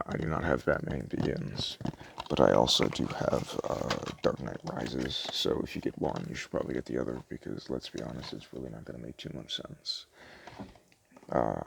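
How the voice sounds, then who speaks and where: A man doing a casual, improvised ASMR shopkeeper roleplay, soft-spoken and hesitant, rambling in a self-deprecating way. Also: rumbling low, creaky, background noise. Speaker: ASMR roleplayer playing a small DVD shop owner.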